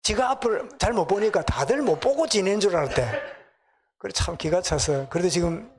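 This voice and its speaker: A man's voice: sits high, expressive, a little fast, a crowd in the background. A middle-aged man with a Gyeongsang accent preaching a sermon in a church, chatting with the congregation and asking them questions. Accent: Gyeongsang Korean. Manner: conversational, asks the congregation questions. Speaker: pastor. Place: church sanctuary.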